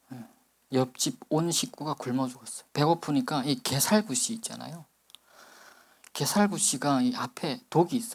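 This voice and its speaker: Swinging very widely in pitch, a man talks at a moderate pace and a fairly high pitch, with long, frequent pauses. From North Korea. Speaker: seminary student preacher. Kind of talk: testimony. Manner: halting.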